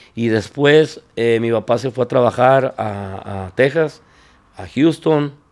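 Speaking at a very slow pace, a man lets his loudness swing widely. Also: ordinary pitch variation. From Nuevo León, Mexico (Apodaca, Monterrey area); Nuevo León, Mexico. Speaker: norteño musician; interview guest. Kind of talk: interview. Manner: halting, frequent repetitions. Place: studio. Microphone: studio mic.

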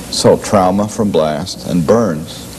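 With light background noise behind him, a man speaks in a very deep, low pitch with ordinary pitch variation. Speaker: interviewee. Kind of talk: interview answer. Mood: serious, measured. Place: studio.

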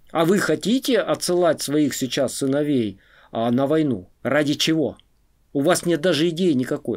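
This man talks at a fairly slow pace with a fairly high pitch. The background is quiet. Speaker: video blogger. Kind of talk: angry rant to camera. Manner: angry, emotional. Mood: angry, indignant. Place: studio. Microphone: studio mic.

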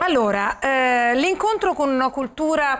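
At a fairly slow pace, a woman talks with lively intonation in a high pitch. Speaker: TV talk show host. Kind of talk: TV talk show interview. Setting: TV studio. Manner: animated. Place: studio. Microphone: lapel.

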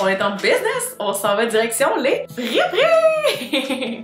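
A woman speaks at a high pitch. Clear music plays in the background, and room echo is audible. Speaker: vlogger host. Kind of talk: casual vlog chat. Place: home room. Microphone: phone near.

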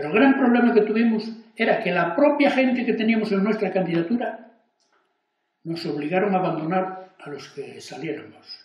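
Audible room echo and a quiet background frame a man whose high pitch and lively intonation come at a moderate pace, with big swings in loudness. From Asturias, Spain. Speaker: livestock farmer and former councillor. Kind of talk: interview. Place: home room.

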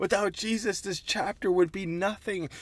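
With a high pitch, a man is speaking. His intonation stays fairly even. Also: dry sound with no echo. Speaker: faith vlogger. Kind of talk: sermon-like vlog talk. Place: car. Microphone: phone near.

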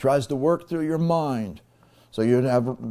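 A man's dark, mellow voice with lively intonation, against a quiet background. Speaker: preacher. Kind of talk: sermon. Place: church. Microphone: lapel.

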